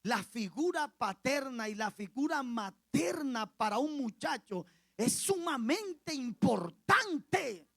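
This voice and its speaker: Passionate Colombian pastor preaching a sermon. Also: male voice, extremely high pitch, big pitch swings, slow pace, gravelly, no echo. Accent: Colombian Caribbean Spanish. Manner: passionate preaching that swings from quiet to loud; storytelling, often repeats words for emphasis.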